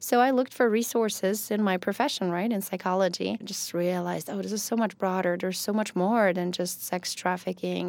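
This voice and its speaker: A woman with a Polish accent at a moderate pace. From Poland. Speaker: psychology professor. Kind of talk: interview. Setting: studio.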